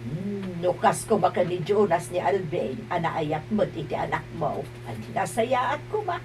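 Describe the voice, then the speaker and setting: Woman as probing older mom, lively intonation, distant mic, faint hum. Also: fairly low pitch, measured pace. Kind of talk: amateur drama acting.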